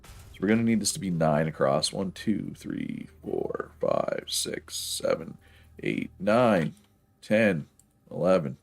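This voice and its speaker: A man with a very low, gravelly voice talks his way through a building game, thinking aloud and correcting himself. His nose is a bit stuffed up, and he chuckles now and then. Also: big pitch swings, slow. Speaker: streamer playing a factory-building game. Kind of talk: casual gameplay commentary.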